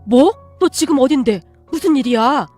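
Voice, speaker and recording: A devoted male teacher speaks up firmly for his student in this radio story, voiced by a woman reader. Her voice stays high and earnest over faint music. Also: expressive, moderate pace, darkish tone. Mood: alarmed. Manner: earnest, raising voice in defense. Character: devoted male teacher, quiet but protective.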